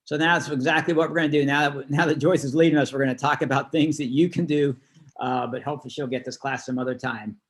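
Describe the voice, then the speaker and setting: A man's voice: on the high side, fairly even intonation, fast. A man working as a class instructor, explaining things conversationally in an informal online lesson. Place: online video call.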